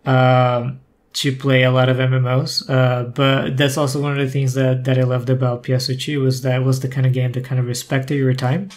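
A man's voice: mid-range voice, completely flat delivery, fairly quick. Podcast guest, male, conversational, thoughtful, frequent restarts. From Brazil. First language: Portuguese. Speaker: guest, former community manager.

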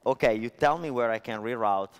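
A man's voice: medium pitch, brisk, clean tone. A man in his thirties from Italy with an Italian accent, giving a chatty technical conference talk on stage with lots of fillers, on a headset mic. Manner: chatty, storytelling, frequent fillers. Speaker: conference speaker. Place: large conference hall stage.

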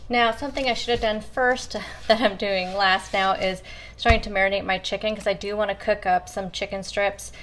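A woman's voice: medium pitch, fairly even intonation, normal speed, fairly bright tone, slight background noise. A woman talking viewers through her weekly meal prep in a casual, chatty way as she works at her home kitchen counter. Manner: chatty, talks to viewers as "you guys". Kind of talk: casual cooking walkthrough.

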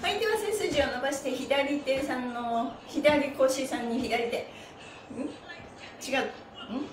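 A middle-aged woman leads a stretching session in a cheerful, chanting singsong. Her voice sits on the high side. It is picked up from a distance in a very roomy indoor space. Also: takes it slowly, noisy background. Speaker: stretching instructor and host. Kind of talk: live exercise instruction with chanted counts. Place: small indoor studio with bare wall and floor mat. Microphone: camera a few metres away. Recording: roomy, distant mic, music behind.

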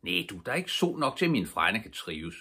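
An older man reading aloud, voicing a cheeky, fearless little girl in a lively, bold and playful way. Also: lowish voice, breathy edge, exaggerated voice. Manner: lively, bold, full of fun.

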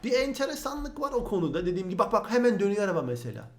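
A young Turkish man giving casual, excitable gameplay commentary as a gaming channel host. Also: high-pitched, rapid-fire, reverberant. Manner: excitable, chatty, says "abi" a lot.

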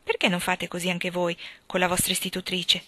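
A woman's voice: fairly low pitch, monotone, brisk, pushed and bright, a little hiss or hum. A woman voicing a haughty young English lady who talks down to others politely, in a storybook reading. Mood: condescending. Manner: patronizing, polite and superior.

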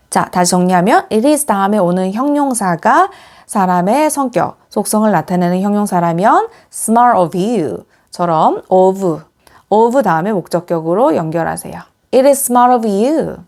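A woman teacher giving an English grammar lesson, explaining step by step and reading the example sentences slowly and clearly. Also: mid-range voice, darkish tone. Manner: patient, explains step by step with many "자" prompts.

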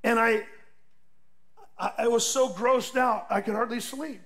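An older pastor preaches with a notably high voice, telling homely stories between points. He rises to loud, emphatic peaks, then drops into quiet, confiding asides. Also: fairly even intonation, measured pace. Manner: folksy, storytelling, emphatic with sudden loud peaks and soft drops. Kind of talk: sermon.

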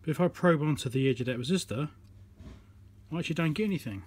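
A man's voice: on the high side, expressive, fast talker, breathy edge. Man muttering over a repair bench. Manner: muttering, thinking aloud while working. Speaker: electronics repair presenter. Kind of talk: casual workbench commentary. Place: electronics workbench indoors.

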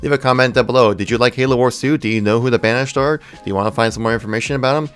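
A man's voice: mid-range voice, very fast, fairly bright tone, smooth, soft background music. A man hosting a gaming channel, giving news commentary in an enthusiastic, informal way.

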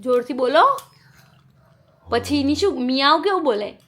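A woman's voice: high-pitched, expressive, a little slow, fairly bright tone. A young woman who is a mother, chatting playfully at home and coaxing her toddler in a sing-song baby-talk manner. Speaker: mother and family vlogger. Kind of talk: casual family chat with a toddler.

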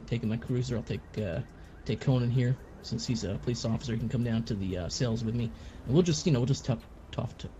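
A man's voice: mid-range voice, warm tone, close to an everyday voice. A man playing an easygoing, paternal lawman in improvised game role-play, talking in a mild, hesitant way. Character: easygoing small-town lawman, paternal and folksy. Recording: dull, faintly noisy game voice chat.

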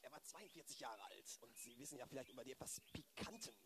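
A man's voice: medium pitch, lively intonation, fast talker, crowd noise, natural voice. A man playing a courteous, awkward police inspector in an improvised audio drama, hesitant and often repeating himself. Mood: probing.

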